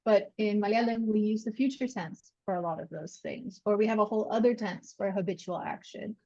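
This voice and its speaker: An American woman guest in a casual podcast interview, explaining things in an animated way and laughing easily. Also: mid-range voice, a little fast, dry recording. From USA. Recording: dull lo-fi dry sound.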